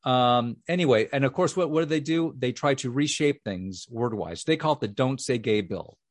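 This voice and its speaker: A man's voice: medium pitch, lively intonation, normal speed, no room sound. A man co-hosting a casual political talk show, rambling with many restarts and fillers. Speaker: co-host.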